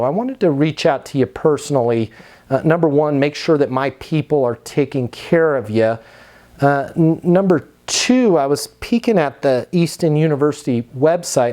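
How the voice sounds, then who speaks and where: A man's voice: fairly high pitch, a little mellow. An American man coaching on sales in a conversational, instructive way, slipping into acted-out example dialogue.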